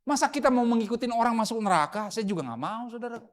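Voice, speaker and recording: A man preaching a sermon as pastor, often asking the congregation rhetorical questions and moving between loud emphasis and quiet asides. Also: very high voice, animated, fast.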